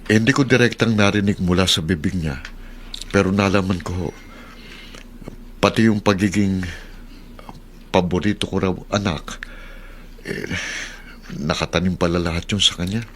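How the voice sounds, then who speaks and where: Magalang na batang asawa, mababa ang boses. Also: male voice, deep voice, normal speed, pauses often, fairly bright tone, slight background noise. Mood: respectful. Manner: respectful, hesitant. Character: humble young husband, polite and apologetic. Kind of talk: radio drama acting.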